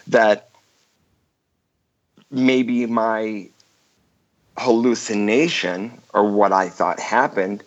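A man's voice: on the low side, very slow, long pauses. A male caller on a call-in show, recounting a story with many restarts and fillers. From Michigan, USA. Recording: dull phone-line call.

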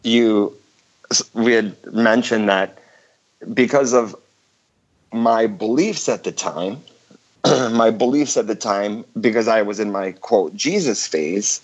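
A man from Michigan, USA, calls into a show and recounts a story, speaking slowly in a voice on the low side. He uses many fillers and restarts, and the phone line sounds dull.

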